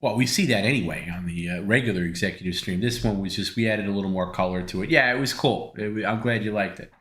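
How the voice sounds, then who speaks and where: A man's voice: on the low side, quick pace, a bit bright. A man co-hosting a live stream, answering the host in an easygoing, amused way. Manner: easygoing, mildly amused replies. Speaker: show co-host.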